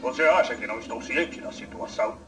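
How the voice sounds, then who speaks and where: A man's voice: medium pitch, a little hiss or hum, natural voice. A man playing a pompous, short-tempered mad scientist villain in a dubbed video game cutscene. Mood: angry, scheming. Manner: pompous, drawn-out, scheming. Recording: distant, with loud music behind.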